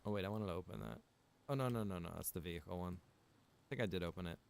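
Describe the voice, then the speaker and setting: A man streams a game and chats casually in a low, fast voice with vocal fry and a darkish tone. He's informal, muttering to himself and now and then grumbling mildly.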